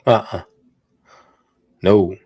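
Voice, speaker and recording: A man's voice: deep voice, steady tone, very slow, dark tone, husky. A man hosting a live dog training Q&A, talking bluntly and directly in slangy speech, stuffy from a cold. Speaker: dog trainer and show host. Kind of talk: live Q&A stream.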